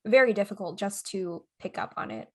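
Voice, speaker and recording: A woman's voice: medium pitch, animated, fairly quick, a little mellow. A young woman co-hosting a podcast in casual chat, telling stories with lots of fillers and laughing easily. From United States. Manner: chatty, laughs easily, filler-heavy storytelling. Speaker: podcast co-host.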